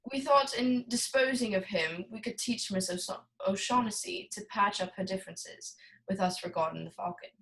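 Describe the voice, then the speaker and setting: A woman's voice: mid-range voice, normal speed, fairly bright tone, close to an everyday voice, poor audio. Woman playing a pompous, courtly crime boss. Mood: measured, explanatory. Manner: pompous, formal, theatrical. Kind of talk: film noir radio play acting.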